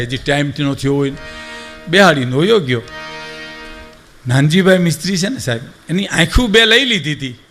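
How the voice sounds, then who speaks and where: An older man with a Saurashtra Gujarati accent telling stage anecdotes to an audience, often calling them sir and acting out the voices of the people in his stories. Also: a little high. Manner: animated, addresses listeners as sir, acts out quoted voices. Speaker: folk storyteller on stage. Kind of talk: lively anecdotal storytelling.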